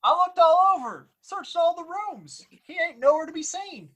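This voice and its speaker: Man as high-pitched, cocky Western sheriff. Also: lively intonation, normal speed, a bit bright. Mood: calling out. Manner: folksy, rustic grammar. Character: cocky, threatening sheriff, boss's obedient son. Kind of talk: Western audio play acting.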